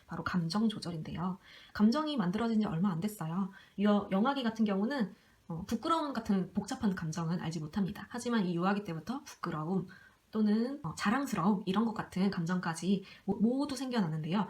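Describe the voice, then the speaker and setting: Fast-talking young woman lecturer. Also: medium pitch, a little mellow. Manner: fast, chatty teaching with acted quotes. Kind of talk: online lecture.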